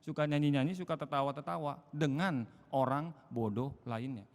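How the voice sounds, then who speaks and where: A male pastor preaching a sermon, asking rhetorical questions and answering them himself, swinging from quiet to loud emphasis. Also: a little high, normal speed. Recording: long hall reverb.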